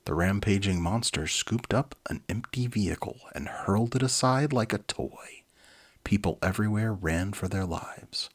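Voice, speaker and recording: A man in his forties hosting a children's book reading, mixing expressive narration with casual, enthusiastic asides. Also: on the low side, moderate pace, breathy edge. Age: 40s.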